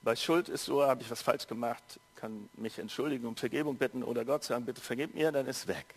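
A male preacher giving a sermon, telling a story in an earnest, measured way with pauses. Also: mid-range voice, breathy edge. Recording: long hall reverb.

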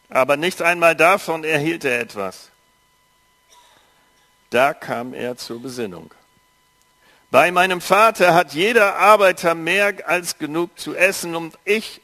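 A man slowly reading a Bible story aloud and preaching on it, giving the quoted voices some life, then turning to reflective, conversational asides. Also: a little high. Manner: slow, measured reading with lively quoted speech.

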